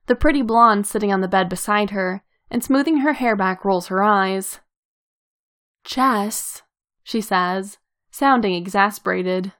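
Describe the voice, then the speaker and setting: A woman narrating a piece of fan fiction in a calm, even tone at a medium pitch. Her reading is steady and unhurried. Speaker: reader. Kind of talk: fan fiction read aloud.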